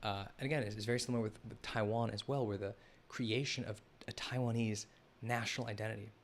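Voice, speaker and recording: A man's voice: on the low side, fairly even intonation, quick pace, slight background noise. Rambling man commentating a live stream. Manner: rambling, self-correcting, addresses the chat. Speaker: host of a live analysis stream.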